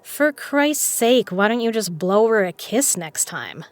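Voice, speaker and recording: A woman's voice: mid-range voice, very animated, measured pace, no room sound. A woman acting in an audio drama as a confident, teasing poker player who is frank and caring.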